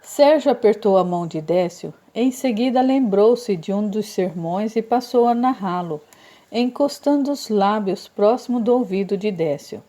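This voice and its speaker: Mellow-voiced woman narrating an audiobook. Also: medium pitch.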